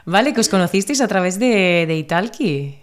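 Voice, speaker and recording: A woman's voice: mid-range voice, expressive, moderate pace, crowd noise. A woman with a Spain Spanish accent hosting an interview, encouraging her guests with short affirmations. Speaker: host, interviewer. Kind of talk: casual interview.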